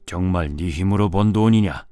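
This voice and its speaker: A man acting a stern old father, low-voiced. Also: moderate pace, mellow, clean tone, no echo, soft background music, close to an everyday voice. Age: older. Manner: scolding, weighty, old-fashioned speech. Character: stern old father, wealthy and worried, testing his son.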